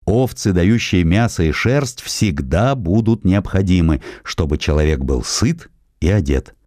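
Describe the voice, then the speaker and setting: A male reader voices a determined, self-reliant colonist farmer in an audiobook drama. The voice is low and mellow, measured and resolute. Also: lively intonation, dry recording, clean studio sound.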